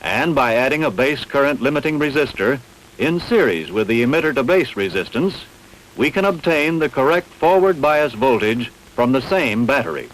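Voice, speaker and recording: Man narrating with lively intonation. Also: mid-range voice, slight background noise, poor audio. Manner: measured, didactic, carefully enunciated. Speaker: training film narrator. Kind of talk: scripted instructional narration.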